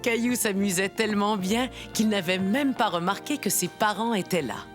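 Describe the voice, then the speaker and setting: A woman's voice: mid-range voice, moderate pace, over music, close to an everyday voice. A woman voicing a kindly storyteller, narrating a scripted children's cartoon story.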